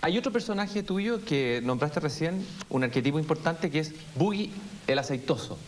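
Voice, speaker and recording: A man's voice: fairly high pitch, expressive, moderate pace. A man interviewing a cartoonist, asking easy conversational questions and nodding along with "mm" and "ujú". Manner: attentive, lots of "mm" and "ujú" backchannels. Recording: faint hiss.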